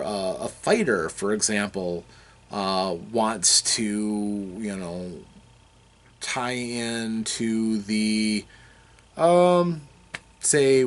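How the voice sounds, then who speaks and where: Lower-pitched man explaining, halting and deliberate. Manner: halting, deliberate, thinking aloud. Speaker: game master explaining campaign design. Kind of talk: unscripted explanatory talk.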